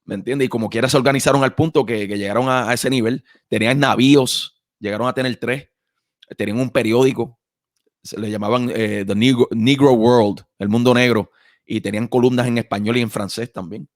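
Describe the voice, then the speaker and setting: A man's voice: medium pitch, steady tone, brisk, no room sound, studio quality. A Puerto Rican man hosting a podcast conversation, talking casually and with animation, repeating phrases and dropping frequent slang. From Puerto Rico. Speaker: podcast host and author.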